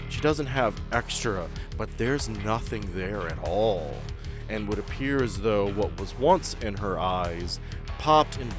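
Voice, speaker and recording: Sex: man. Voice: low-pitched. Role: game master. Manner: suspenseful, descriptive storytelling with casual asides. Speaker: game master of a tabletop RPG podcast. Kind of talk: improvised horror narration and rules talk for a tabletop game. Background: music under the voice.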